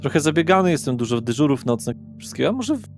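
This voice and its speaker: A man playing a weary, affable middle-aged father who works as a psychologist, chatty and halting, in a tabletop game. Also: fairly high pitch, sing-song, a little mellow, soft background music, pitched above the performer's own voice. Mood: friendly, rambling.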